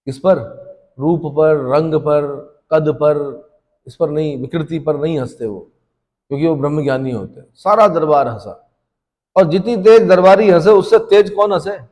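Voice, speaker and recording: A man's voice: a little high, normal speed, a little mellow. A male history teacher, lecturing a class for exam prep and constantly quizzing students, then answering himself. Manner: asks students questions and answers them himself. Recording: long reverberant room echo.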